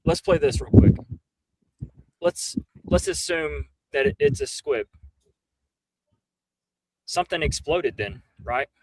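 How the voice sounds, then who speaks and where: A man's voice: fairly high pitch, huge pitch swings, slow, gravelly, pauses often, darkish tone, a little hiss or hum, low-quality recording. A man in a casual roundtable discussion, making his argument step by step. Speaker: livestream panelist.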